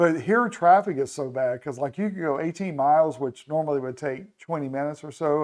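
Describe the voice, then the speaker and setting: A man speaks in an unremarkable speaking voice with an American accent, fairly high in pitch, with ordinary pitch variation at a fairly quick pace. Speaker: podcast host. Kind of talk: podcast interview host.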